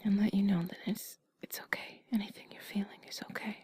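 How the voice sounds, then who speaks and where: A woman voicing a tender, affectionate partner in a whispered role-play, breathy, gentle, intimate and reassuring. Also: mid-range voice, level tone, brisk. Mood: soothing, tender. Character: tender affectionate female partner comforting a loved one.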